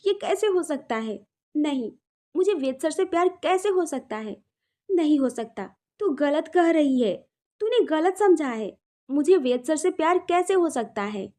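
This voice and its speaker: A woman's voice: animated, normal speed, mellow. A woman voicing a heartbroken young woman who blames herself, asking pained questions through tears. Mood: disbelief. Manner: pleading, questioning, rising pitch when upset. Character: heartbroken young woman, tearful, self-blaming.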